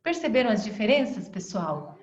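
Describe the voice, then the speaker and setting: A woman with a Brazilian accent teaching an online class, acting out fast, slow and melodic ways of speaking as examples. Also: big pitch swings. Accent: Brazilian Portuguese. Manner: demonstrates voice tones, shifting pace and pitch. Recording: echoey, dull lo-fi sound.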